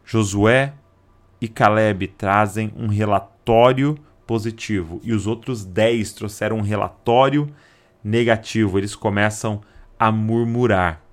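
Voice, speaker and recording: A man's voice: fairly low pitch, steady tone, unhurried. A man with a Brazilian Portuguese accent preaching a sermon, emphatic, repeating key lines and acting out the people in his stories. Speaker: pastor.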